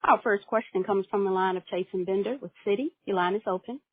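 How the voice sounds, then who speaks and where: A woman's voice: medium pitch, quick pace, slightly rough, no echo. A woman working as a conference call operator, giving formal scripted instructions. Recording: narrow tinny phone line.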